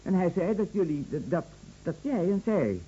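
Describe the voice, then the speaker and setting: An actor playing a chatty, teasing, fretful bedridden husband in a radio play, stammering and musing with theatrical emphasis. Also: male voice, high-pitched, very animated, moderate pace, warm tone. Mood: fussy, needling. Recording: muffled old radio play recording, slight noise.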